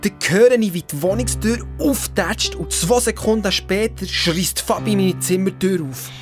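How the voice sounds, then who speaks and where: A woman's voice: medium pitch, a little slow, natural voice. A woman voicing a troubled young boy in an audio drama, narrating earnestly in a Swiss German accent. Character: boy, about twelve, torn and secretive. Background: background music.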